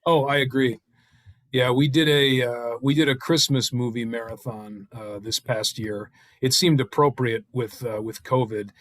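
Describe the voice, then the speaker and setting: A middle-aged man chatting casually on a video call, often pausing partway through his sentences. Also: mid-range voice, fairly even intonation, dry recording. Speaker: table read participant. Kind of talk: casual chat.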